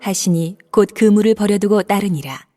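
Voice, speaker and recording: A woman narrating a dramatized scripture reading in a measured, even manner. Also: mid-range voice. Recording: long reverb.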